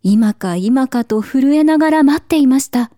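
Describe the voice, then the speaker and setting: High, mellow woman reading a storybook. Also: lively intonation, no room sound, clean studio sound. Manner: gentle, measured storytelling. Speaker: narrator.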